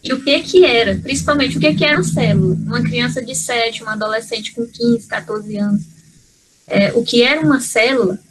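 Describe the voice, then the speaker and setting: Brazilian woman on a video call, bit high voice, earnest, lots of fillers and restarts. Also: fairly bright tone, low-quality recording. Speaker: panel speaker. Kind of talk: spontaneous talk in an online panel.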